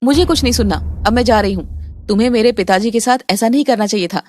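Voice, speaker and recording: A cheerful, earnest young wife, voiced by a woman in a Hindi-style animated story. Her voice sits high and bright. The sound is dry and close. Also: quick pace, no echo, close to an everyday voice. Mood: angry.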